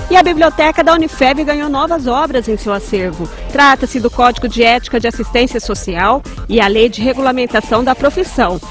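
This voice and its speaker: A young woman presenting a read news bulletin in a TV studio on a lapel mic. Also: a little high. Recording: faint music bed.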